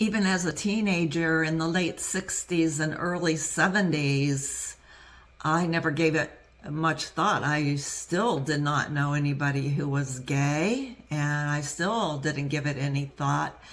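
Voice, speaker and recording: Amid noticeable background noise, a woman with an American accent speaks fairly slowly in a very deep, low voice with ordinary pitch variation. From US Midwest, Ohio. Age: 60s. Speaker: vlogger. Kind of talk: personal testimony. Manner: halting, many fillers.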